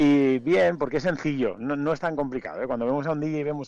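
Speaking at a fairly quick pace, a man has an unremarkable speaking voice pitched fairly high. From Madrid, Spain. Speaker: DJ and DJ teacher. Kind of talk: radio interview.

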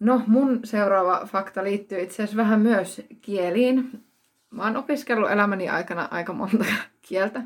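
A woman with a plain, everyday voice speaks at a medium pitch and a moderate pace, with ordinary pitch variation. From Finland, Jyväskylä. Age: 20s. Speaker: podcast host, translation entrepreneur. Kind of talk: casual chat.

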